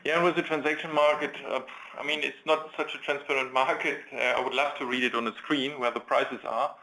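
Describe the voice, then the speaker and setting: A man's voice: mid-range voice, fairly even intonation, brisk, bright, forceful tone, a little hiss or hum, poor audio. A man speaking as a company executive, giving unscripted answers to analysts on a conference call.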